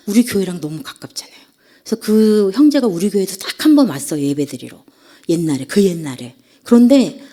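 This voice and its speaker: A woman's voice: medium pitch, mellow. A middle-aged woman preacher giving an emotional sermon testimony, dropping to whispers and then rising again. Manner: emotional storytelling, drops to whispers then rises. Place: church sanctuary.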